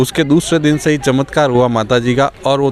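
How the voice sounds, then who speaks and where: With noticeable background noise behind him, a man speaks at medium pitch and a moderate pace, his pitch varying in an ordinary way. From Rajasthan, Pali. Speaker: bank employee. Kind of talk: interview.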